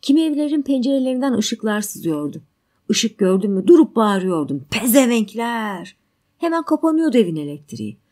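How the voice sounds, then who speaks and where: A woman's voice: on the high side, big pitch swings, moderate pace, mellow. Woman reading as a bitter, agitated stranded mother.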